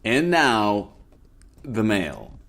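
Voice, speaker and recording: A man playing a wry, nervous post-apocalyptic radio host in a comedic audio drama, with a halting, sarcastic delivery. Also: fairly low pitch, wildly swooping pitch, gravelly, over music, exaggerated voice. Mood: uneasy.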